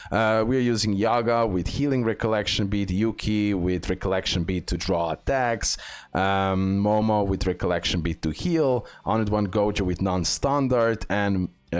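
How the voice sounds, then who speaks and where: A man hosting a game guide and showcase, talking through it with some hesitant, repetitive phrasing. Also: low-pitched. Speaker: gaming video host.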